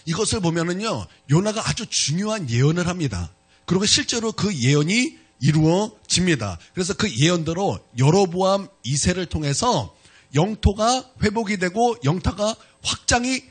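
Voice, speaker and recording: A male pastor preaching a sermon in church, retelling a story in an animated way and talking directly to his congregation. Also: high-pitched, breathy edge.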